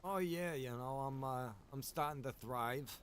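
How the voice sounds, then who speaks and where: A man's voice: medium pitch, measured pace, a bit bright. A man with a middling voice chats casually in an online survival roleplay. He is easygoing and a little hesitant, with some noise behind him. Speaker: roleplay game streamer playing a survivor. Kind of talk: improvised in-character casual chat. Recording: noisy game voice chat.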